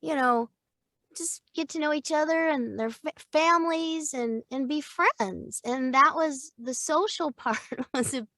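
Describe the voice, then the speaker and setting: An older woman talks with a gravelly, slightly high voice, chatty and quick to laugh. She is recorded on a studio mic in a small booth, and the sound is dry and close. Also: dry recording. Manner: chatty, animated, laughs often. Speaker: voice actor guest. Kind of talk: casual interview chat. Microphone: studio microphone.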